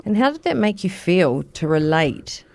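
A woman hosting a radio interview, asking gentle, encouraging questions and offering soft affirmations. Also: on the low side, sing-song, normal speed, creaky, dry recording, studio quality. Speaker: radio show host, interviewer.

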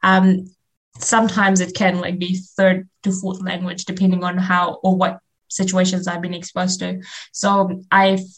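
A woman's voice: on the low side, completely flat delivery, measured pace, poor audio. A young woman from Fiji with a Fiji Indian accent, a native Fiji Hindi speaker, talking informally and a little hesitantly as a radio interview guest. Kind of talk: personal talk in a radio interview.

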